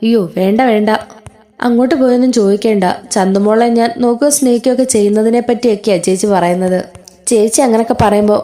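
A woman's voice: a little high, fairly even intonation, quick pace, warm tone, lightly acted. A woman voicing a tearful young woman who explains her side earnestly in a serial story recap. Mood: upset. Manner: earnest, pleading.

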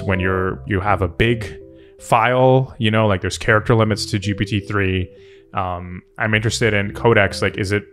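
A man's voice: fairly low pitch, a bit bright. A man hosting a tech video, giving casual off-the-cuff commentary in a hesitant, thinking-aloud manner. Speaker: tech video host and software developer. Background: background music.

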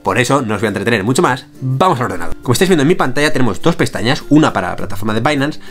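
A man's voice: mid-range voice, animated, rapid-fire, fairly bright tone, faint music behind. A young man with a Spain Spanish accent, hosting a step-by-step screen-share tutorial from a small room, explaining energetically. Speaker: tutorial host.

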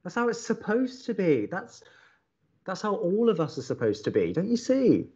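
Man acting love-struck young male campus radio host, earnest, deliberate, higher-pitched, expressive range, audio drama, slightly muffled sound. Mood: insistent.

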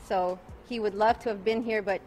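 A woman in her forties, an attorney, answering reporters' questions at a night press conference outdoors. She sounds tired and talks calmly, repeating each question before she answers. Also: mid-range voice, moderate pace, soft background music. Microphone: bank of press microphones.

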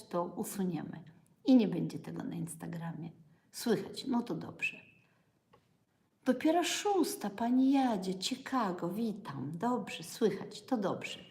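A woman's voice: mid-range voice, gravelly, darkish tone, reverberant. A woman hosting a casual livestream on her phone, chatting with viewers and asking them questions as she talks about health. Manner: chatty, asks the audience questions. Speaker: livestream host, acupuncture educator. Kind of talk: casual live-stream talk to viewers.

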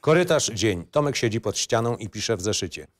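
A man's voice: lowish voice, lively intonation, a little fast. A man reading stage directions as the narrator of a screenplay, in scripted narration.

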